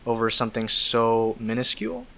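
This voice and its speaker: A man appearing as a podcast guest, giving animated, exasperated opinions in casual conversation. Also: mid-range voice, normal speed, gravelly, crowd noise.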